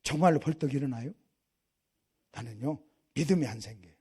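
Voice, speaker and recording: A middle-aged man from Korea preaching a revival sermon in a church, passionate and swinging from hushed storytelling to shouting. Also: mid-range voice, expressive, a little fast, slightly rough. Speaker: pastor. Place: church sanctuary.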